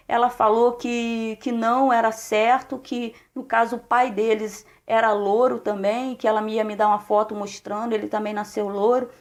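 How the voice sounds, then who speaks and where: Woman pastor, gravelly voice, fairly high pitch, animated testimony. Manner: animated storytelling with acted quotes. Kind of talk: testimony sermon.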